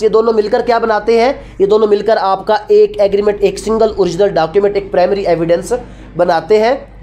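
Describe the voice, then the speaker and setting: This is a law class taught by a woman with a Pakistani accent whose voice is a little high and darkish in tone. She lectures didactically, answering her own rhetorical questions and mixing in Urdu alongside English legal phrases.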